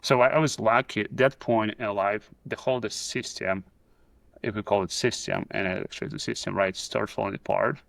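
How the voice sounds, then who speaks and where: A man's voice: on the low side, fairly even intonation, moderate pace, vocal fry, fairly bright tone, no room sound. A middle-aged man with a Russian accent, a guest on a video call, telling his story in a hesitant way with many fillers and restarts. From Soviet Union. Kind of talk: casual video-call interview. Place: pool house.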